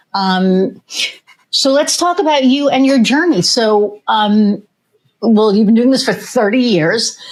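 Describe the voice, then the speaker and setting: An ordinary speaking voice: a woman with fairly high pitch and lively intonation. She talks at a fairly slow pace with very even loudness. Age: 60s. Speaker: podcast host. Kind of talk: casual interview chat.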